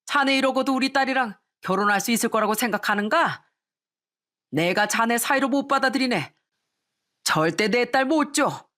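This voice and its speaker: A woman's voice: on the high side, expressive, moderate pace, voice pushed up. A woman voicing a pompous, hot-tempered middle-aged father-in-law in a radio story. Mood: indignant. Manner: bossy, blustering, shouting.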